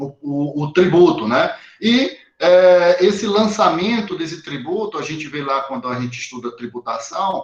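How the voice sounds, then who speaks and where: Male speech with ordinary pitch variation. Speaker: law professor. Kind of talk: lecture. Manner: halting, repeats words.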